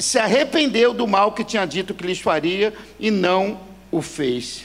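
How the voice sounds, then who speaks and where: Over noticeable background noise, a man speaks fairly slowly with lively intonation and an animated tone. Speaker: visiting pastor. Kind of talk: sermon to a church congregation. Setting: church with congregation. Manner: animated, emphatic preacher, stressing key words; direct, audience-engaging, asks rhetorical questions.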